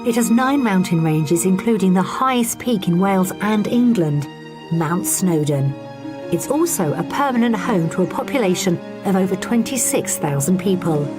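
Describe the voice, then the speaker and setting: A woman presenter giving measured, informative scripted voice-over for a television property programme. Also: fairly low pitch, lively intonation. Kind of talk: scripted TV narration. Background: background music.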